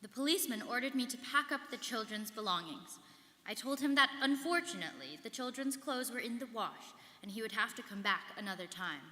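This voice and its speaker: A young woman performing a scripted reading as a resolute alumna recounting her trials, firm and measured. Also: on the high side, animated, sharp tone. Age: young adult. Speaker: student performer in a dramatic reading. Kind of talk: scripted first-person dramatic reading. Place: large hall. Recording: very echoey reverberant hall.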